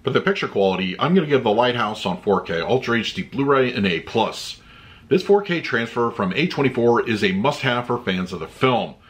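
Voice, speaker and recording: A man's voice: mid-range voice, lively intonation, a little fast. A man in his thirties reviewing a movie disc at home, chatting loosely and then reading out a written review. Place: home room with shelves of discs.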